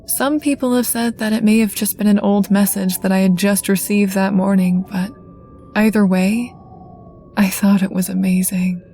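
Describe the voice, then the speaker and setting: A woman reading a first-person ghost story in a soft, measured, earnest way over faint background music. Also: mid-range voice, steady tone. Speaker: guest narrator.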